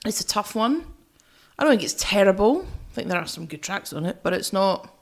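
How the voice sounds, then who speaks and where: A woman co-hosting a music podcast, chatting casually in a measured way as she weighs both sides. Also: medium pitch, sing-song.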